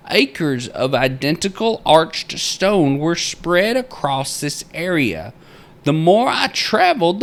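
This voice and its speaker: A man's voice: fairly high pitch, a bit bright, pitched above the performer's own voice, exaggerated voice. A man voicing a pompous, wordy male prospector reading out his journal in a florid, theatrical way. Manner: florid, theatrical, self-important.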